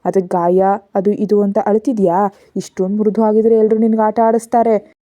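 A woman's voice: medium pitch, flat delivery, moderate pace, warm tone, dry recording, close to an everyday voice. A woman voicing a playful, bold young woman who teases and lightly scolds in a storybook reading. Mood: teasing.

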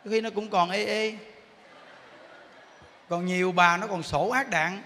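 A male Buddhist monk preaches to a gathered assembly and keeps turning to his listeners directly. His voice sits high and sounds bright. The sound carries a long hall echo over faint background ambience. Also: fairly even intonation, measured pace, a little hiss or hum. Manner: warm exhortation, often addresses listeners directly. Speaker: Buddhist monk giving a dharma talk. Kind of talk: live sermon to an assembly.

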